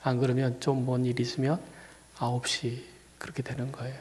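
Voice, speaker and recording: A man's voice: medium pitch, monotone, a little fast, a little mellow. A male pastor tells a personal story in a sermon. He is fighting a cold, and he talks conversationally but rises to emphatic peaks on key points. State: fighting a cold and feeling dizzy. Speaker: senior pastor. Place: church sanctuary. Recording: long church reverb.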